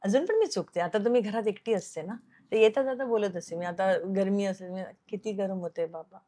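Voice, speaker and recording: An earnest woman recounts a personal story for an interviewer, her voice sitting at a middle pitch. She acts out the lines other people spoke to her and slips English phrases into her speech. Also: animated, fairly quick, dark tone. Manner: earnest, recounts events by acting out quoted dialogue. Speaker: television actress, interview guest.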